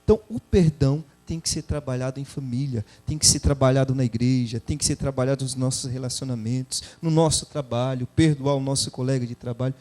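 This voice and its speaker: Co-hosting a Christian television talk show, a man with a medium-pitched, darkish voice speaks a little fast with hardly any pauses. He's earnest and exhorts listeners to forgive, drawing on examples from family life in this religious discussion.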